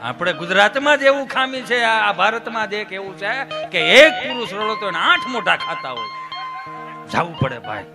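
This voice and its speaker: A man doing stand-up storytelling on stage, animated, swinging from soft asides to loud outbursts and calling the audience sir. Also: high-pitched, moderate pace, creaky, music in the background. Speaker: stand-up comedian.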